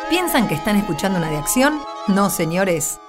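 A woman's voice: mid-range voice, very animated, normal speed, loud music behind the voice. A woman narrating a scripted radio drama as a playful storyteller who addresses the listeners.

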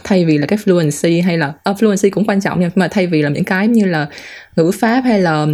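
A woman's voice: fairly low pitch, a little fast, a little mellow. A woman giving her opinions in casual chat, mixing in English words.

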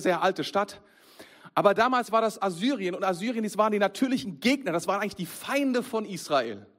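A man delivers a sermon with a fairly high voice. He speaks in a lively, conversational way and keeps turning straight to his listeners. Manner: lively, conversational, addresses the congregation directly. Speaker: preacher.

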